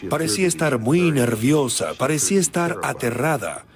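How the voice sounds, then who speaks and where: A man, an investigator, recounting a case in a documentary interview, reflective and pausing with fillers. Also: a little high, expressive, music in the background.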